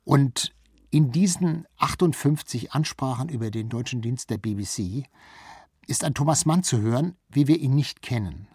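Husky man explaining as a studio guest. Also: mid-range voice, darkish tone, no room sound. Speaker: author and former radio culture chief, interview guest. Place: radio studio.

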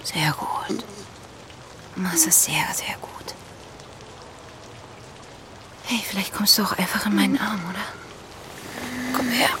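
A woman playing a distressed but defiant and compassionate thirties character in a naturalistic radio drama, speaking haltingly. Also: medium pitch, lively intonation, whispered, natural voice. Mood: tender, soothing. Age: 30s.

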